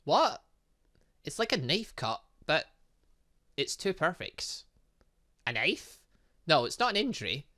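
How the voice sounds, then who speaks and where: A man's voice: fairly high pitch, big pitch swings, slow pace, long pauses, bright, forceful tone. A man commentating a game he is playing, rambling and cutting himself off with chuckling asides. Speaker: gaming streamer. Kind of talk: let's-play commentary.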